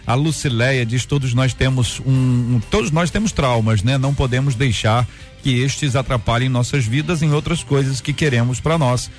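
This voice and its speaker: A man's voice: mid-range voice, moderate pace, soft background music. A man hosting a radio talk show, bantering with teasing jokes and reading out listener messages. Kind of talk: relaxed joking studio chat, reading listener messages.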